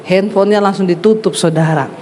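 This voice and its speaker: In an echoey hall, a middle-aged woman pastor delivers a sermon full of stories, voicing the quoted characters with blunt force. Her voice is medium in pitch and darkish, she speaks a little fast, and there's faint background noise.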